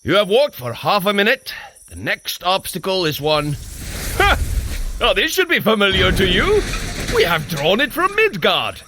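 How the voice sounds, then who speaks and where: An actor playing a boisterous Asgardian warrior god who coaches a mortal through training in a fitness audio drama, with theatrical, archaic, cheerfully bloodthirsty delivery. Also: male voice, high voice, wildly swooping pitch, normal speed, pushed and bright, a little hiss or hum, exaggerated voice. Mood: jovial, musing.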